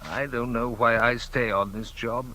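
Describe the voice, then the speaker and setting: A man's voice: mid-range voice, steady tone, normal speed, bright, forceful tone, a little hiss or hum, lightly acted, poor audio. A man playing a grumbling, officious older gatekeeper in a 1950s radio play. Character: gruff older male gatekeeper, grumbling bureaucrat.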